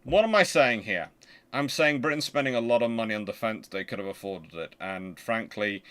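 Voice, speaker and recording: A man's voice: on the low side, animated, fairly bright tone, smooth. Man thinking aloud as he explains. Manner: conversational, halting, muttering to himself while working. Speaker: history channel host.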